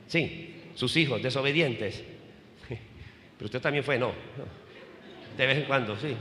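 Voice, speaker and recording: A man preaching a sermon as a Catholic priest, animated, questioning the congregation and adding humorous asides. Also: medium pitch, slow pace, slight background noise. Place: church. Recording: echoey hall.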